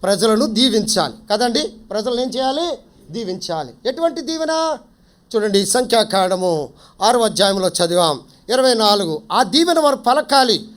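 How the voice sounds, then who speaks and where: A man's voice: sits high, big pitch swings, normal speed. A man preaching a sermon in a prayer house, often quizzing the congregation and repeating key phrases.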